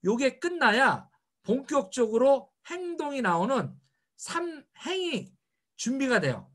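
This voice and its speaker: A man's voice: high voice, a bit bright. A middle-aged man giving a motivational seminar lecture, firing rhetorical questions at his audience. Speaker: seminar speaker.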